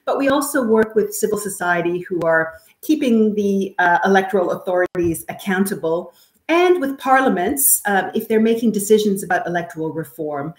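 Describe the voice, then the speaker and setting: A woman from Canada speaking as an expert guest, giving measured, careful explanations in an interview. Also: medium pitch, lively intonation. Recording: roomy, echoey sound.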